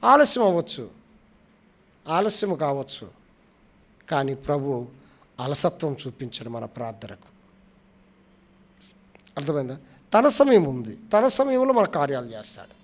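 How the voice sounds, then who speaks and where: A man preaching a sermon with a notably high-pitched voice. He repeats key phrases and puts questions to the congregation. His delivery drops to soft, low lines, then rises loud and forceful. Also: big pitch swings, moderate pace, long pauses. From India. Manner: swings between soft low phrases and loud raised ones. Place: prayer house.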